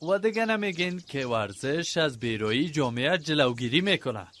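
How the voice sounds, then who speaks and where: An upbeat village organiser with an Afghan accent, eagerly praising and encouraging. The voice is fairly high and very animated, over faint noise, in radio drama style. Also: male voice. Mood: enthusiastic, encouraging. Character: enthusiastic, encouraging village organiser leading a meeting.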